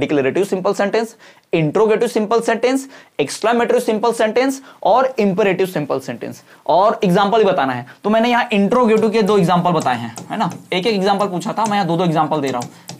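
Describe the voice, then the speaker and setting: Male tutor, exam-prep lecture; patient, repeats checks for understanding, reads English lines slowly. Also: high-pitched. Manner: explains patiently, keeps checking in with students; mixes Hindi with slowly read English sentences. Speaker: teacher.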